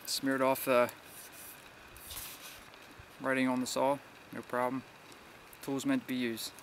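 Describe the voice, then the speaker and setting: A man's voice: medium pitch, slow. A man casually demonstrating a saw outdoors, a little out of breath, rambling and repeating words as he works. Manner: relaxed, rambling, repeats words while working. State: slightly out of breath from sawing. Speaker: outdoor gear reviewer. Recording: noisy, with sawing sounds behind.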